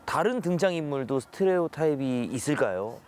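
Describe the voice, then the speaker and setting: A woman's voice: low-pitched, lively intonation, fairly quick, darkish tone, a little hiss or hum. A woman hosting a casual panel chat, asking questions and responding to the other speakers. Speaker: panel show host.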